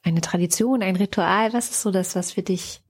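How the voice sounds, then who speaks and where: A woman's voice: medium pitch, moderate pace, husky. A woman podcast host asking a thoughtful, open question and listing several possible answers for her guest.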